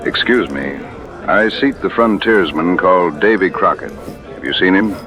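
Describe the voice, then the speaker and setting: An actor playing a solemn, stoic tribal messenger and tracker in a radio drama, with gravelly, formal, measured speech. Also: male voice, lively intonation, over loud music. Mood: polite, earnest. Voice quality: gravelly, very deep.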